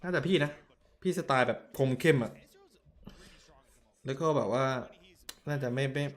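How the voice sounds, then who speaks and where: Another stretch has the same match-watching streamer reacting in his blunt, excitable style, with crude slang and replies to viewer messages. This time his mid-range voice keeps a measured pace.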